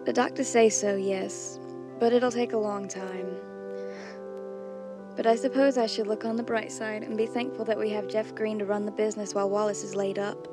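A woman's voice: medium pitch, little pitch movement, moderate pace, music in the background, lightly acted. An actress playing a worried, resigned wife of an injured man in a 1930s radio drama.

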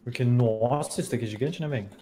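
A man's voice: mid-range voice, fast, mellow, slight background noise. A young man playing alongside a friend, bantering teasingly in slangy chat. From Brazil. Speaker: co-player. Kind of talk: casual gameplay chat.

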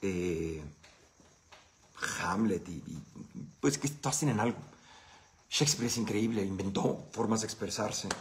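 A man's voice: on the low side, unhurried, pauses often, a little hiss or hum. A man with a Mexican Spanish accent hosting a casual live Q&A. He answers viewer questions in a blunt, profane, conversational way.

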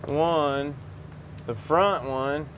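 A man's voice: on the high side, very slow, a bit bright. Folksy male mechanic in a noisy garage. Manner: folksy, chatty. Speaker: transmission mechanic presenting a video. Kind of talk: casual hands-on shop chat to viewers. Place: auto repair garage, under a lifted truck. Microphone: camera a few meters away. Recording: clear garage noise behind.

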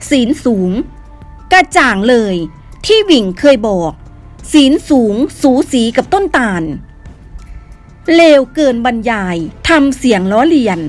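A woman's voice: sits high, big pitch swings, unhurried, faint music behind. A woman narrating scripted news commentary in a scornful, condemning tone.

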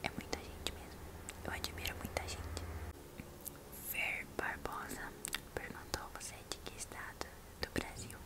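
Young Brazilian woman in an intimate whisper. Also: unhurried. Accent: Brazilian, São Paulo state. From São Paulo state, Brazil. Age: young adult. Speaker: ASMR video creator and host. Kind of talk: ASMR, answering viewers' questions casually. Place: small bedroom indoors. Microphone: large microphone right at the mouth.

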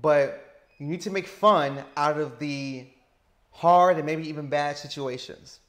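A man in his thirties with a stutter, talking slowly and deliberately as an interview guest on a lapel mic indoors. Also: a little high, a bit bright. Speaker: interview guest, teacher living abroad. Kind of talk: casual interview. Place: indoor lounge with sofa.

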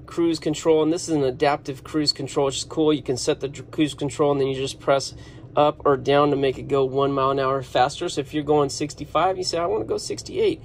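A vlogger with a steady, somewhat high voice talks a little fast while showing around the inside of a parked van. He films a casual walkaround on a handheld phone, chatting offhandedly and thinking aloud, with slight background noise.

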